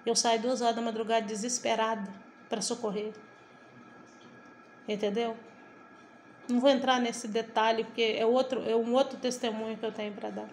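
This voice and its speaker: A woman's voice: fairly high pitch, flat delivery, normal speed, pauses often, slight background noise. A middle-aged woman from Brazil preaching a devotional sermon in a fervent, emphatic way, often repeating her phrases. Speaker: evangelical preacher.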